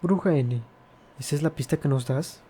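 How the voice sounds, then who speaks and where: Male let's-play host: fairly high, mellow tone, quick offhand reading of game dialogue, faint noise. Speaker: gaming video host.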